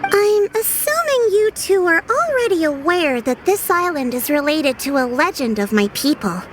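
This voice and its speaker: A woman playing a composed, courteous female tribal chief in a video game, speaking in a formal, measured way. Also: very high-pitched, very animated, a little hiss or hum. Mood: thoughtful. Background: music.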